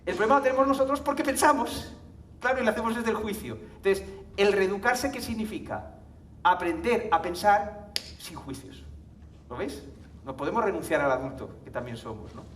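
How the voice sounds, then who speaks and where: Man, conference speaker, high voice, echoey hall recording, faint ambience, lively rhetorical manner. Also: normal speed, distant mic, slight background noise. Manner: lively, asks the audience rhetorical questions, jokes. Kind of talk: public talk to a live audience. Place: lecture hall with audience.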